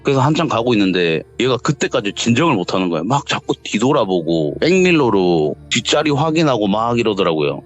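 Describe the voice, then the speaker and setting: Low-voiced man telling a ghost story. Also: brisk, hardly any pauses, lo-fi sound, soft background music. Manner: animated storytelling, acting out quotes. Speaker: caller telling a viewer's story. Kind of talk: telling a true ghost story on a call-in radio show. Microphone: voice call.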